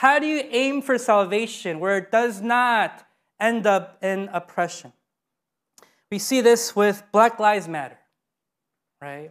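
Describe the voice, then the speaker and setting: In a very clean recording with a silent background, a woman with a non-native accent and a fairly high pitch speaks at a fairly slow pace with lively intonation, big swings in loudness, and long, frequent pauses. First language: not Korean. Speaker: pastor. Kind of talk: sermon. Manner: halting, with fillers.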